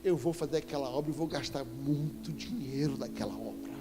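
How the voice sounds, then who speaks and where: A man with a Brazilian Portuguese accent preaching a sermon as an apostle, telling a story with animated emphasis and sudden loud exclamations. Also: mid-range voice, brisk. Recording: echoey church hall with faint music.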